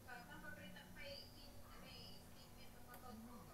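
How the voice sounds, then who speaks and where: A woman's voice: sits high, a little slow, very noisy. A woman talking casually and giving practical advice, repeating her words, recorded at a distance in a reverberant room.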